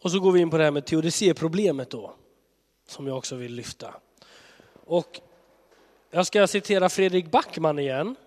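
Male preacher, slightly high, conversational and earnest, stuffed-up with a cold, reverberant hall. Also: a little mellow. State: has a cold. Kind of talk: sermon.

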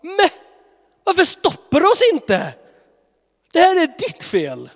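Man playing sulky teenaged mob, high, whiny, with a stuffy nose and an echoing hall. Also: sing-song, darkish tone. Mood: accusing. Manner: whiny, dismissive. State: has a cold. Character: sulky, defiant humanity as whiny teens. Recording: long hall reverb.

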